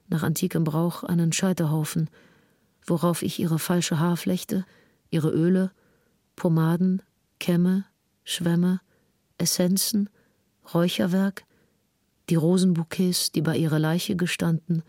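A woman's voice: lowish voice, warm tone, no room sound, clean studio sound. Sober, restrained grieving 19th-century woman. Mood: solemn, restrained. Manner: measured, sober, formal. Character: grieving 19th-century woman recounting her companion's death in writing. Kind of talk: scripted literary reading.

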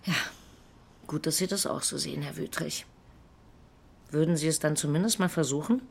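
A woman playing a composed, persistent police investigator in a crime radio drama, with a measured, formal, probing way of speaking. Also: sits low, creaky, darkish tone, breathy edge, exaggerated voice. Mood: persuasive, insistent.

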